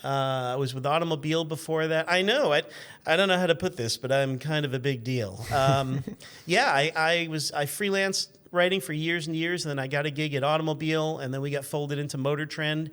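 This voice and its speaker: A man in his fifties with a somewhat high voice talks as a relaxed interview guest. He tells personal anecdotes in a conversational way, slipping in dry, self-mocking jokes. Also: brisk, smooth. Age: 50s. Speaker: interview guest, car journalist. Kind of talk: casual anecdotal chat.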